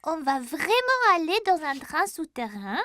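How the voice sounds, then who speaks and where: A performer voicing a curious, earnest four-year-old boy in a children's cartoon, with expressive childlike delivery. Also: sits high, a little slow, no echo, heavily acted. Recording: music behind.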